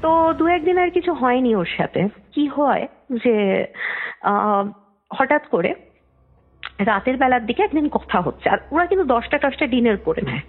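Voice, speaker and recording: A woman's voice: high voice, big pitch swings, a little slow, pauses often, husky. A young woman caller telling a story in a chatty, rambling way, often trailing off mid-sentence. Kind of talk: casual storytelling on a call. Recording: tinny phone line with faint music.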